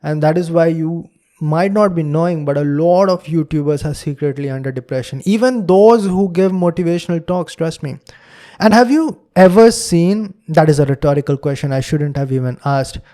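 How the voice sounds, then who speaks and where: A man's voice: on the high side, moderate pace, warm tone. A young man with an Indian English accent, a native Hindi speaker, talking alone on his podcast in an earnest, lecturing way. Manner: earnest, lecturing, acts out quotes in a raised voice. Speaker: podcast host. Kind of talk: solo podcast monologue.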